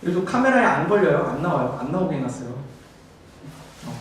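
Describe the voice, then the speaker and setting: A man's voice: a little high, big pitch swings, fairly quick. A man teaching a TOEIC class, explaining step by step and often checking in with his students. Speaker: TOEIC instructor. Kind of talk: classroom lecture. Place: classroom in a language school. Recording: echoey classroom, distant camera mic, faint hiss.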